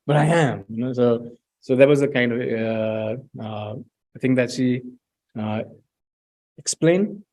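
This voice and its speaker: A middle-aged man presenting research findings at an academic talk, pausing often with fillers and restarts. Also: medium pitch, warm tone. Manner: hesitant, many fillers and restarts, reads out student quotes.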